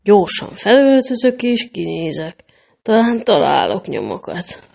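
A woman's voice: mid-range voice, sing-song, vocal fry, a little mellow. A woman doing an eager, boastful family dad. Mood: proud. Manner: eager, stammering when flustered. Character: excited worried family father.

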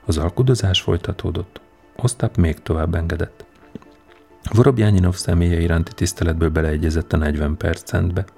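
Deep male audiobook narrator, measured, wry reading. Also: fairly even intonation, vocal fry, mellow, husky, faint music behind. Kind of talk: scripted narration of a novel.

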